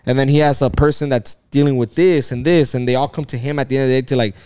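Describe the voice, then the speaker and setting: A man's voice: medium pitch, fairly even intonation, quick pace, darkish tone, clean tone. A man in his thirties in a casual chat, rambling along with lots of swearing and filler words. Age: 30s.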